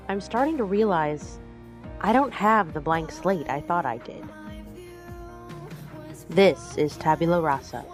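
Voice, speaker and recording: A mysterious woman without a past, guarded and measured. Her voice is slightly low and very unhurried, in the style of a dramatic audio serial. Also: a little mellow. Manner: measured, deliberate. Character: guarded amnesiac woman piecing her identity together. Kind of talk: audio drama acting and narration.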